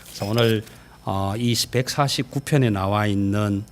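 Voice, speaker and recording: A male senior pastor preaching a sermon in a church, talking straight to the congregation and swinging from loud exclamations to near whispers. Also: lowish voice, moderate pace, a little hiss or hum. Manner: conversational, addressing the congregation directly. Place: church sanctuary.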